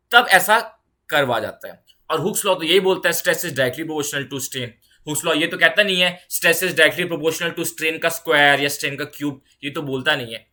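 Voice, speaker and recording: A woman's voice: deep voice, bright, forceful tone. A woman physics teacher giving an online exam-prep lecture, repeating key phrases and checking in often. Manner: repeats key phrases, mixes English terms into fast explanation; reassuring, checks in with "ठीक है".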